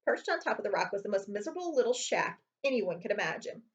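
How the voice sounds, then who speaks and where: A woman reading a children's chapter book aloud as an expressive storyteller, like a librarian at story time. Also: medium pitch, quick pace. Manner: expressive storytelling with character voices.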